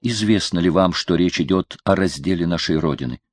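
A man's voice: low-pitched, fairly quick, dry recording, studio quality. A man reading as an earnest pleading friend. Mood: reproachful. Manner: pleading, fervent, reproachful. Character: loyal male counselor friend, earnest and devout. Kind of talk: audiobook character reading.

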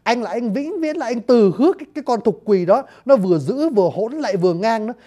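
A narrator voicing a bewitched young man who pours out cheap flattery and blustering threats. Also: medium pitch, fast talker, lightly acted. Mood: scornful. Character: bewitched young man, gushing and hot-headed.

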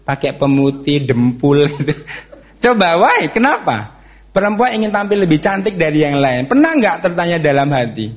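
A man gives a religious talk to teens and their parents. His voice sits a little high and swings widely as he asks the room questions. He talks in a lively, way. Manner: animated, acts out quotes and cheers, asks the audience questions. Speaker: youth counselor giving a talk.

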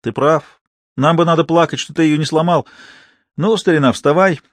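A cheeky young clown in a storybook reading, as a man plays him. He teases in a loud, high, bright voice. The recording is dry. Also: moderate pace, dry recording, close to an everyday voice. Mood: teasing. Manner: teasing, shouting.

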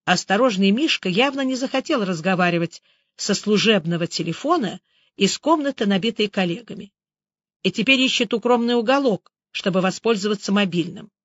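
A woman narrating a first-person audiobook with lively, ironic storytelling. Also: medium pitch, brisk, no room sound, dull audio.

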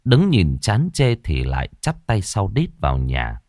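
A man reading a ghost story aloud in a steady storytelling manner. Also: deep voice, unhurried, dry recording, studio quality. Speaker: narrator.

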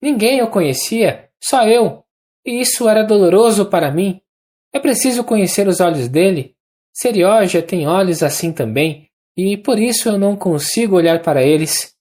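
A narrator with a Brazilian accent voicing a young woman, feverish and delirious after childbirth, talking in a rapid, urgent, raised pleading voice. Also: medium pitch, lively intonation, a little mellow, pitched above the performer's own voice, lightly acted. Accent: Brazilian Portuguese.

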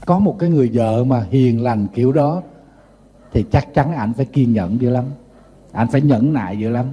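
In his sermon, a middle-aged man with a Southern Vietnamese accent, a Buddhist monk, shares humorous anecdotes with lively storytelling. His mid-range voice has a breathy edge, and he speaks at a normal speed.

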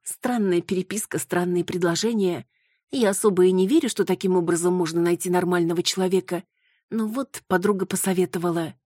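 A woman's voice: lowish voice, a little fast, dark tone, slightly rough, no echo, studio quality, pitched above the performer's own voice. A woman voicing an indignant young woman. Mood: embarrassed. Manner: indignant, exclaiming. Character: flustered young woman, quick to outrage.

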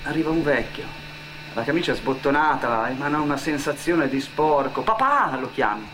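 A man's voice: mid-range voice, moderate pace, noisy background. A man delivering an emotive, scripted dramatic monologue, repeating phrases as a storyteller would on stage. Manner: emotive, addressing an absent person as "you", repeating phrases. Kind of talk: dramatic scripted narration, theatrical monologue over music. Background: music.

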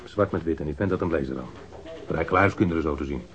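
A man's voice: extremely low pitch, fast talker. An actor playing an evasive street mugger in a radio drama, defensive and rambling as he answers police questions in slangy, hesitant speech. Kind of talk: naturalistic radio drama acting. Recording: dull lo-fi radio recording.

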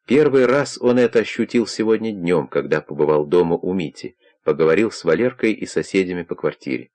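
Male audiobook narrator, deep voice, steady measured delivery.

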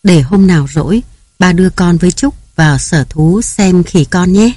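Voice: medium pitch, moderate pace, darkish tone, no room sound, studio quality, close to an everyday voice. The narrator voicing a troubled husband and father who answers in subdued, hesitant replies.

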